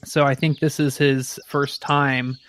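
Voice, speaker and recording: A man playing a tabletop role-playing game, casually describing his character in a thoughtful, halting way as he rephrases. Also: medium pitch, level tone, fairly bright tone, slight background noise.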